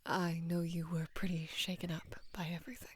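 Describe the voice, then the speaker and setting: A young woman in her twenties playing a devoted female knight in love with her queen, speaking hesitantly and deferentially in a soft, breathy voice for intimate roleplay audio. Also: on the low side, level tone, a little hiss or hum, lightly acted. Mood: tender, remorseful. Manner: hesitant, halting, deferential, earnest.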